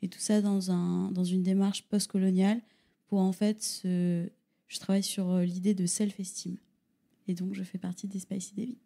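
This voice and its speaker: Une artiste invitée se présente lentement, en cherchant ses mots, d'une voix très douce et chaleureuse. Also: female voice, mid-range voice, flat delivery, vocal fry, dark tone. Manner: slow, halting, many fillers. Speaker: guest, artist. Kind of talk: self-introduction in interview.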